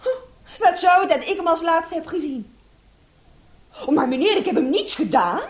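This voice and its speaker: An actress playing an excitable, indignant woman who has been robbed, in a Dutch radio play. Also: very high voice, normal speed, slight background noise. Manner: exclamatory, agitated. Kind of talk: Dutch radio drama acting.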